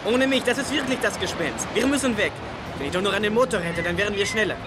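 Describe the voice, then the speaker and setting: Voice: medium pitch, quick pace, very noisy, natural voice. An actor playing a young detective in a children's mystery audio drama, with music and outdoor effects behind. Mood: frightened. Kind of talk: German children's radio play acting.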